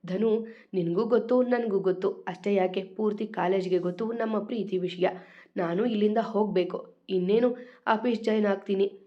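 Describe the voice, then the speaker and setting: A woman's voice: mid-range voice, steady tone, moderate pace, lo-fi sound, natural voice. A woman voicing an earnest young man, devoted to his girlfriend, speaking in a pleading, emotional way.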